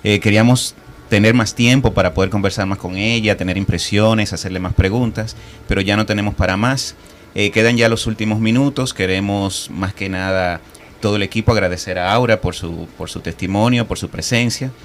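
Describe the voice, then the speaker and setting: Man, Dominican accent, fairly deep voice, radio host, conversational. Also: steady tone, brisk. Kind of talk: conversational programme hosting.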